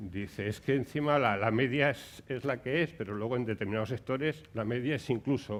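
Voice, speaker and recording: A man speaks at medium pitch and a moderate pace, with ordinary pitch variation. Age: 60s. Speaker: public administration official and speaker. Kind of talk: lecture. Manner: conversational, with many hesitations and fillers.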